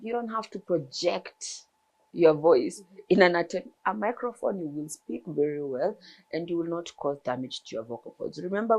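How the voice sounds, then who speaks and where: A woman's voice: fairly low pitch, a little mellow. A woman ENT surgeon, explaining throat health in a TV interview with examples. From Kenya.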